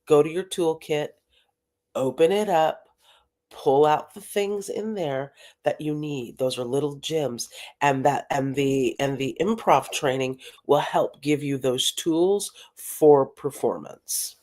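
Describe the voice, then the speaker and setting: A woman talent agent giving emphatic advice as an interview guest over a video call, with quick restarts as she explains. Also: low-pitched, a little mellow.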